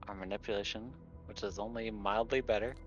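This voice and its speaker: A man's voice: lowish voice, steady tone, a little fast, highs cut off, faint music behind. A man playing a tabletop roleplaying game, chatting casually in a wry, understated way.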